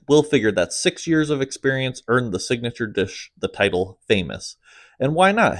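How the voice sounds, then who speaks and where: A man narrating his own comic audiobook in a steady storytelling manner, dropping low at the ends of phrases. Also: no room sound, clean studio sound.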